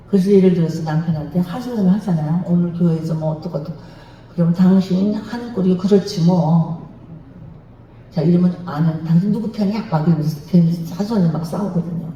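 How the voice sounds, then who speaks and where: Brief: a woman guest speaker at a church revival, warm dark tone, teaching with lively acted-out examples, recorded from a distance in a very roomy hall. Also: lowish voice, a little hiss or hum. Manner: lively teaching, acts out dialogues and has the congregation repeat phrases. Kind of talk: lecture-style sermon on marriage. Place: large church worship hall. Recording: dull, very echoey hall, mic at a distance.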